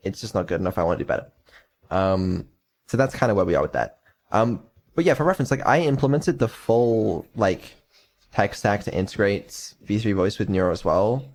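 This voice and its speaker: A man's voice: lowish voice, expressive, a little fast, a little mellow. A man giving a casual live stream update as a developer, rambling and hesitant with many ums and offhand swearing.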